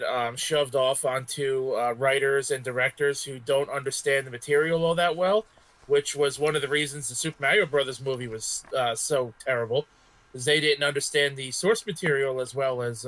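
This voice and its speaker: A man speaking as a panel guest in a casual discussion, halting and pausing often. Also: mid-range voice, a bit bright, rough recording. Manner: halting, hesitant delivery with many pauses.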